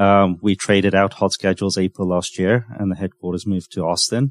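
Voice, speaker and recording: A man's fairly low voice in a London accent, very fast, with fairly even intonation, dry and close with no echo, on a very clean recording with a silent background. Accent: British English, London. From London, England. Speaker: technology executive. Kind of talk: interview.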